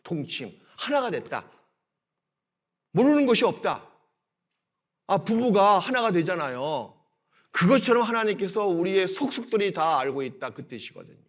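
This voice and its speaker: A middle-aged male pastor preaching in a church, explaining scripture slowly and voicing God's words in gentle quotes. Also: high-pitched, very animated. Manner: slow, emphatic delivery with swings between loud and soft. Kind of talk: sermon. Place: church sanctuary.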